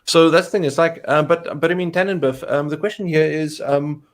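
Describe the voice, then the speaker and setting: A man with a slightly high voice and brisk pace co-hosts a live cloud Q&A stream. His casual chat is chatty and full of fillers.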